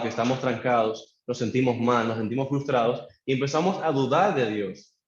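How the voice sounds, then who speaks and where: A man preaches a sermon, voicing a worshipper's pleading questions to God and calling the congregation to repeat after him. His medium-pitched voice rings through an echoey church. The recording is dull and low-fi. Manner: acts out a believer's pleading prayers to God; leads the congregation in call-and-response.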